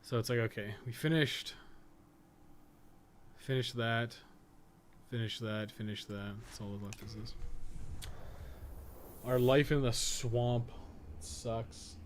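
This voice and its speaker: A man's voice: mid-range voice, fairly even intonation, slow pace, long pauses, a little hiss or hum. A man giving casual, off-the-cuff video game commentary, rambling and thinking aloud with mild swearing. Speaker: podcast co-host playing a video game.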